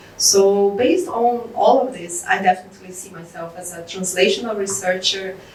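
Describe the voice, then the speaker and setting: Amid audible room echo and noticeable background noise, a woman at medium pitch speaks at a moderate pace with ordinary pitch variation. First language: not English. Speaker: neuroscientist and assistant professor. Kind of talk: interview.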